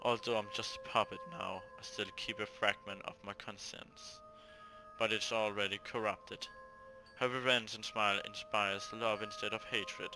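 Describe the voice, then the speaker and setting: A man's voice: on the low side, little pitch movement, normal speed, vocal fry, over music, poor audio. A man voicing a devoted, enslaved knight serving his princess, reading visual novel dialogue in a solemn, adoring way.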